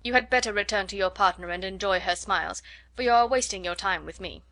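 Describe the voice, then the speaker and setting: A woman doing a cold, haughty young gentleman. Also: mid-range voice, fast talker, lightly acted. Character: proud, aloof young gentleman.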